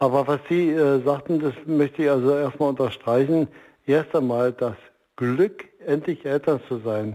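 A man talks in an ordinary speaking voice, fairly high in pitch. His pace is fairly slow, with ordinary pitch variation. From East Germany. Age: 60s. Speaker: marriage counselor and coach. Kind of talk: radio interview. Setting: remote line from home.

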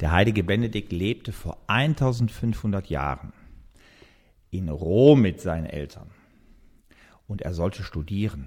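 With very wide pitch swings, a man speaks at a very slow pace on a very clean recording with a silent background. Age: 50s. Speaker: parish priest. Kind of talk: explaining to children. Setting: parish hall.

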